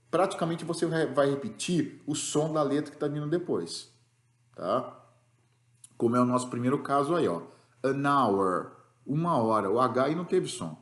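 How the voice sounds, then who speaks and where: A man's voice: mid-range voice, roomy sound. A man with a Brazilian Portuguese accent teaching an English grammar lesson, explaining rules patiently and checking in with the class after each point.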